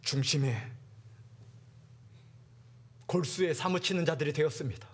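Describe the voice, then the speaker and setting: A man preaching a dramatic sermon to teenagers, acting out mocking classmates and swinging from hushed to loud. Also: on the high side, unhurried, husky. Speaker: youth preacher.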